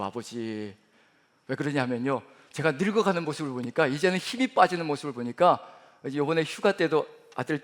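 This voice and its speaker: A man in his fifties with a Gyeongsang Korean accent, preaching a sermon as pastor in a church sanctuary, earnest and emphatic, speaking God's promises tenderly. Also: on the high side. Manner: earnest, rising to emphatic declarations, voicing God's words tenderly. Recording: reverberant church hall.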